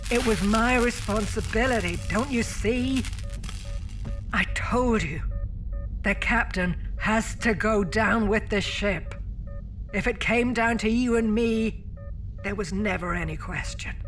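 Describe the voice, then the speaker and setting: A woman acts out a self-sacrificing starship captain in a sci-fi audio drama. The delivery is very slow and measured, weary yet resolute, at a middling pitch, over a prominent music bed. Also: natural voice. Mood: resigned, dutiful. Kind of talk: science-fiction audio drama acting. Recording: loud music bed under the voice.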